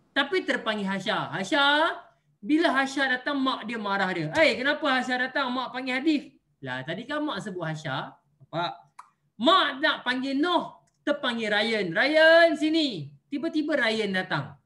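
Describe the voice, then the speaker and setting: A man teaches an online religion class with a bright, forceful voice. He explains patiently and jokes with playful everyday examples for his pupils. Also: high voice.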